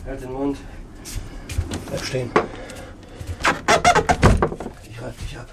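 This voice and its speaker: A man playing a taciturn backwoods father in a naturalistic German radio play, gruff and terse, in clipped phrases. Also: medium pitch, flat delivery, normal speed, far from the mic, close to an everyday voice. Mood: gruff concern. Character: gruff, taciturn backwoods father, beer drinker with few teeth. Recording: loud background noise, off-mic at times.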